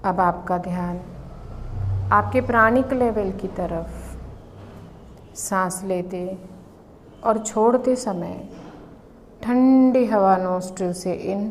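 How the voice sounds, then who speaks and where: A woman guides a meditation very slowly, with a mid-range pitch. She gives calm instructions in short phrases and leaves long pauses between them. There is some background noise in the recording.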